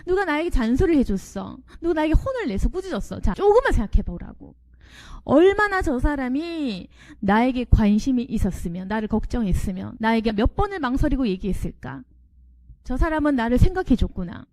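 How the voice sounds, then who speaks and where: A middle-aged woman pastor preaches with a high, lively voice that swoops up and down. She keeps asking the congregation questions and slips into little acted-out voices of grumbling people. The sound is close and dry, with no room ring. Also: fairly quick, no room sound. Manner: animated preaching, acts out quarrelsome inner voices, asks the congregation questions. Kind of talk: sermon.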